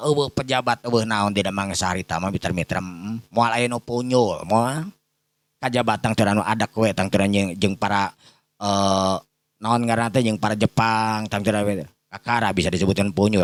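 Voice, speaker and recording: Male storyteller, Sundanese accent, lowish voice, close dry sound, informal rambling folk-tale delivery. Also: no echo. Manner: rambling, repetitive, often addressing listeners.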